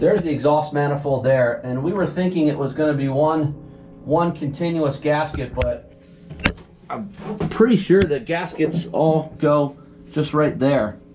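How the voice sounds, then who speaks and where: Faint music plays in the background. A man talks at a fairly slow pace. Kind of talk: casual vlog chat. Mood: frustrated but trying positive. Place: boat. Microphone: phone near.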